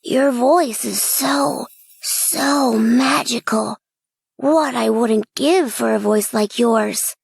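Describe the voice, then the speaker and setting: A woman voicing a kind, gentle male crow with a raspy voice in a children's storybook reading. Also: fairly high pitch, takes it slowly, no echo, heavily acted.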